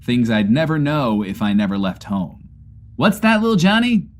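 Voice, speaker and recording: A man's voice: mid-range voice, very animated, normal speed, lightly acted. An actor playing a neurotic, self-absorbed radio host who broadcasts from a bunker. He mocks himself, then turns grandiose, in a comedy audio drama. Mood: wry.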